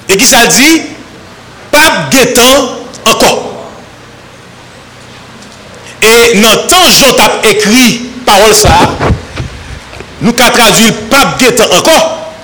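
Slow, high, bright-voiced preacher with Creole accent. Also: male voice, expressive, slight background noise, rough recording. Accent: French Caribbean Creole. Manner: slow, emphatic preaching, reading scripture aloud and switching into Creole. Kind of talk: sermon.

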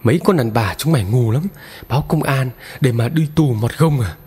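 A man doing a gruff, bullying village husband. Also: medium pitch, fairly quick, darkish tone, close to an everyday voice. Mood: threatening. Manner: harsh, curt and threatening. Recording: long reverb.

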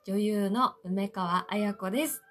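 A woman hosting a solo podcast, chatting politely and playfully to her listeners from a quiet hotel room. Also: medium pitch, takes it slowly, a little hiss or hum. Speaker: podcast host, actress. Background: faint classical Ave Maria music.

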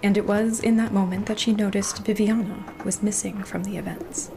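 Woman with creaky voice narrating dark fantasy. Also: medium pitch, flat delivery, faint music behind, poor audio. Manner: measured, literary storytelling. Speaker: story narrator.

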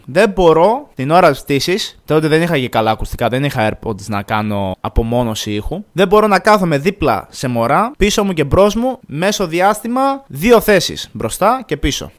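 A young man in his twenties from Greece, telling a funny story casually as a podcast host and acting out the quotes with sudden jumps in pitch.

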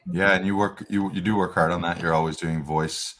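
A man's voice: deep voice, fairly even intonation, brisk, a bit bright. A man hosting a podcast, talking casually in an encouraging, reflective way. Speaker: podcast host.

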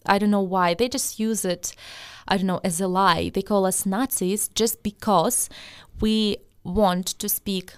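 A woman from eastern Ukraine, Russian her first language, speaks English in an interview. She answers emphatically, often breaking off and restarting her sentences. Her pitch sits in an ordinary middle range. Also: fairly even intonation, measured pace, few pauses, clean tone. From Ukraine, Donetsk region. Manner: emphatic, many restarts and hesitations.

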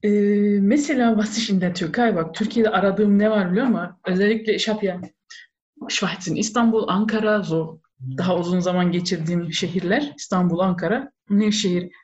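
A woman's voice: medium pitch, brisk, a little mellow, highs cut off. A woman chatting casually and slipping in words and phrases. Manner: mixes in German words and phrases. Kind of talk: casual chat.

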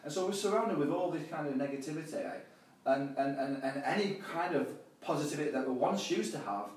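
A man's voice: a little high, a little fast, darkish tone. A man, a life and business coach, speaking earnestly as a guest in an interview, often repeating words as he restarts. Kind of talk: podcast interview. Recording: echoey room, mic far off.

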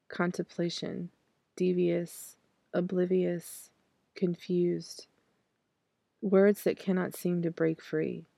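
A woman in her thirties, raspy from clearing her throat, reading her own poems slowly and then talking about them hesitantly with many fillers and restarts. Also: on the low side, darkish tone, no room sound. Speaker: podcast host reciting her poems. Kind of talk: poetry reading and casual reflection.

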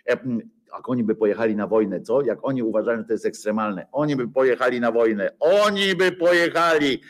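Male host, mid-pitched, sarcastic and foul-mouthed, halting rambling delivery. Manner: sarcastic, profane, full of hesitations. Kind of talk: rambling satirical monologue.

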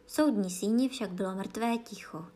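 A woman narrating a classic children's story, reading aloud calmly and expressively. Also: mid-range voice.

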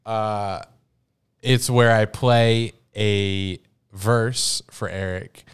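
Smooth, lowish-voiced young male podcaster. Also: steady tone, extremely slow. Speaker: podcast co-host. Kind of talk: casual podcast chat.

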